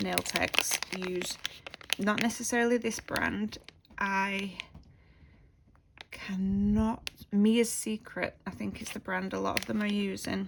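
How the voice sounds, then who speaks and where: Amid noticeable background noise, a woman with a British accent talks fairly slowly, leaving long, frequent pauses. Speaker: nail technician. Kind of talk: product haul review. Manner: chatty.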